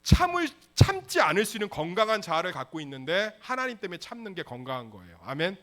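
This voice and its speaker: A male pastor delivers a lively sermon, often slipping into dramatized dialogue. His voice sits high and bright. He swings widely in pitch as he preaches. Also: fast talker. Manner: animated, acts out dialogues in voices.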